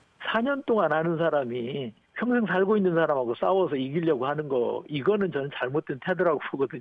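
A man talks at a fairly quick pace with a fairly high pitch, lively intonation and very even loudness. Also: hardly any pauses. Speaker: professor of public administration. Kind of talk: radio interview. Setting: phone call. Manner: halting, many fillers.

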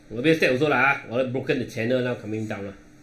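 Speech comes at a very fast pace in a Malaysian accent. There is light background noise and audible room echo. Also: man. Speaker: stock trading youtuber. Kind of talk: market analysis commentary. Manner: halting, many fillers. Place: home room.

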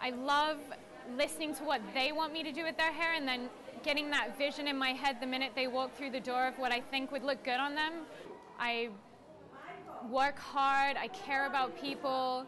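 Crowd noise fills the background as a woman speaks in a raised, projected voice at a high pitch. Her pace is moderate and her pitch varies in an ordinary way. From England (Brighton). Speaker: hairdresser, cosmetology student. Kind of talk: competition audition video to camera. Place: shop.

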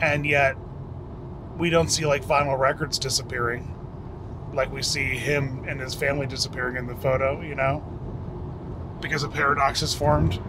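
A man speaks at a moderate pace with fairly even intonation, leaving long, frequent pauses. Noticeable background noise runs behind him. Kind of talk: casual vlog chat. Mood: joking, relaxed banter. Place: car. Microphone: lapel.

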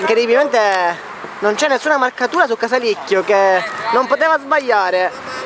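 A man's extremely high-pitched voice at a moderate pace, animated in tone with lively intonation and very even loudness, over noticeable background noise. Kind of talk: co-commentator giving live match analysis. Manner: more measured and explanatory, with an animated lift on goals.

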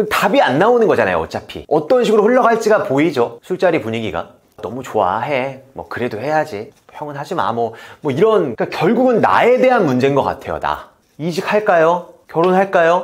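Against a quiet background, a man speaks at a fairly quick pace in a high pitch. His pitch swings very widely. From Seoul, South Korea. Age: 30s. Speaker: real estate investor and educator; educator. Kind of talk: casual talk to camera. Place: studio.

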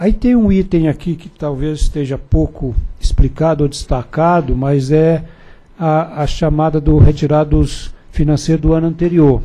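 A man talks at a moderate pace with fairly even intonation. His tone is dark and mellow, and his pitch is fairly high. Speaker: regulatory agency director. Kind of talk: formal meeting deliberation.

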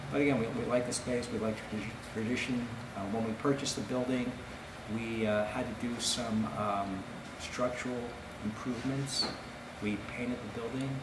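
Over clear background noise, a man with a medium pitch speaks at a moderate pace and fairly even intonation.

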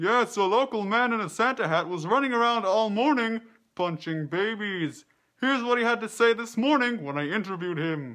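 A man puts on a character voice at a high pitch and speaks at a moderate pace. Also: lively intonation. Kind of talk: comedic mock news report. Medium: comedy sketch. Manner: deadpan, sarcastic. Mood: reporter delivery.

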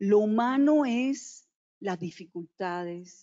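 A woman with a strong Colombian coastal accent against a quiet background. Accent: strong costeño Colombian. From Colombian Caribbean coast, Cartagena. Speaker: visual artist. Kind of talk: live on-stage interview. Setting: in-person event with audience. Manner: hesitant, many fillers. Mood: reflective, warm. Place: home room. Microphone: handheld.

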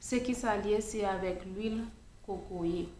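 A woman speaks at a fairly slow pace with ordinary pitch variation, her voice carrying audible room echo over light background noise. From Haiti. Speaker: YouTuber giving home remedy tips. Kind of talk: tutorial. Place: home room. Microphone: webcam.

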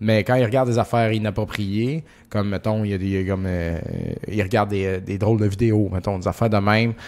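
A man speaks at a fairly quick pace and fairly low pitch in a plain, everyday voice. The recording is very clean with a silent background. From Quebec, Beauce. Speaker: retro gaming bar owner and father. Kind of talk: casual chat.

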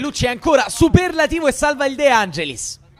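Noticeable background noise surrounds a man who speaks at a fairly quick pace. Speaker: football commentator. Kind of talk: live sports commentary, clipped play-by-play over match highlights. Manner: fast, breathless, excitable.

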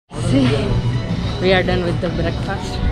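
Loud music fills the background as the speech unfolds at a very slow pace. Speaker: travel vlogger. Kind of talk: casual vlog chat. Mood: cheerful, smiling. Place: street. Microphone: phone near.

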